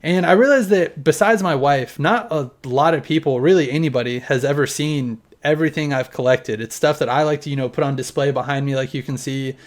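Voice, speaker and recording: A man's voice: on the high side, a little fast, hardly any pauses. Laid-back man in his thirties, rambling. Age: 30s. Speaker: collector showing his collection. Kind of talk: casual chat to camera. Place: home room with collection on display.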